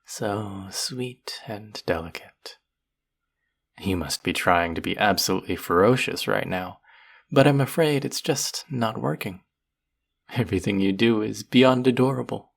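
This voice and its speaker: A performer playing a gloating, sadistic sorcerer in a roleplay audio drama, cooing over a captive pet in mock-sweet baby talk with a breathy, gravelly voice. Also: medium pitch, a little slow.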